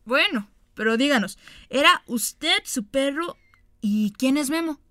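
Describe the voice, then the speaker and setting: A woman's voice: high-pitched, expressive, unhurried, pushed and bright, dry recording, clean studio sound, heavily acted. A woman playing a prim young job clerk in a radio comedy sketch, speaking formally and patiently setting the applicant straight. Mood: exasperated.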